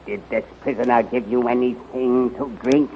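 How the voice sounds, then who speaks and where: An actor playing a loyal, excitable general in a 1930s radio serial, with formal, deferential, theatrical speech. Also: male voice, medium pitch, normal speed, natural voice. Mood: alarmed, accusing. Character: loyal, excitable male general serving a queen. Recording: dull, noisy 1930s radio recording.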